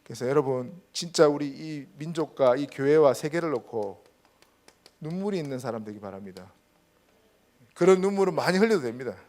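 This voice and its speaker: A man's voice: on the high side, expressive, fairly quick, darkish tone. A man pastor preaching a Sunday sermon, asking the congregation rhetorical questions and stressing points with emphasis. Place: church sanctuary.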